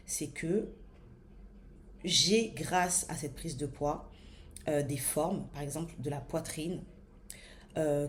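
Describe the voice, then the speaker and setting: A woman in her thirties with a French accent, coaching her listeners on body image in a slow, deliberate talk with frequent hesitations. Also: sits low, darkish tone, a little hiss or hum. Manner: many hesitations and fillers. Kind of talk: motivational talk to camera.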